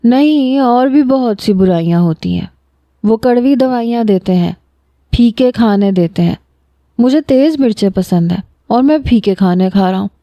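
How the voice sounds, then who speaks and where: A woman's voice: a little high, lively intonation, mellow, no room sound, close to an everyday voice. A woman voicing an injured young man with amnesia who whines and pouts like a scared child, in a storybook reading. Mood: sulky. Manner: whiny, pouting, childlike threats.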